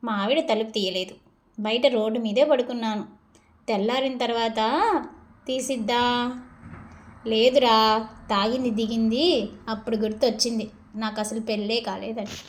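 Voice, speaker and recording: Female joke reader, raised pitch, announces each speaker before their line. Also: steady tone, fairly quick. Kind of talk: reading short jokes aloud.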